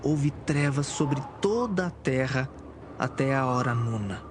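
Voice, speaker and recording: A man's voice: mid-range voice, expressive, a little slow, noisy background. A man giving a scripted narration of an audio Bible. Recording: music behind the voice.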